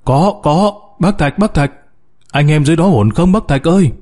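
A man's voice: on the high side, normal speed, mellow, pitched above the performer's own voice, close to an everyday voice. Man doing a reassuring rescue leader. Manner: calling out, reassuring. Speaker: rescue commander.

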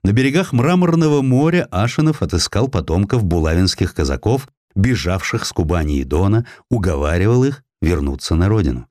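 A man narrating a historical sketch as an audiobook reader, in a theatrical, expressive storytelling manner. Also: low voice, brisk, few pauses.

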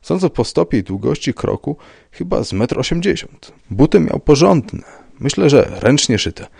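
A man voicing a gruff police commissioner who speaks in a dry, curt, dismissive way. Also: on the high side, very animated, moderate pace, darkish tone, no echo, pitched above the performer's own voice, full character voice. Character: gruff, unbothered middle-aged police commissioner.

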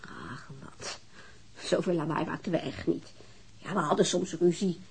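A woman's voice: low voice, sing-song, unhurried, gravelly, husky, heavily acted. An actress playing a weary, defensive divorced mother, answering questions hesitantly in a naturalistic radio drama. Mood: weary, reluctant.

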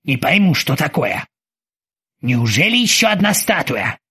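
A man voicing a ship captain with a husky voice and dry, sarcastic commands. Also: a little high, sing-song, measured pace, bright, forceful tone, full character voice. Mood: ironic.

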